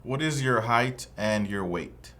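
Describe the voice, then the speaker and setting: A man takes it slowly as he voices a male immigration officer in an interview, asking formal, neutral questions from a practice script. His voice is medium in pitch, a bit bright, with lively intonation.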